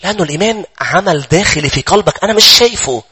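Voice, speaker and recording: A man's voice: high-pitched, lively intonation, racing, pushed and bright, breathy edge. A man preaching a sermon with a Lebanese accent, emphatic and urgent as he addresses his congregation. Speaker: pastor.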